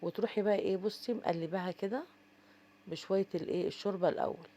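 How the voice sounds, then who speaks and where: A woman's voice: mid-range voice, fairly even intonation, fast, dark tone, highs cut off. A woman with an Egyptian Arabic accent hosting a casual cooking tutorial, chatty and talking straight to her viewers with lots of fillers. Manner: chatty, addresses viewers directly, frequent fillers. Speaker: cooking channel host.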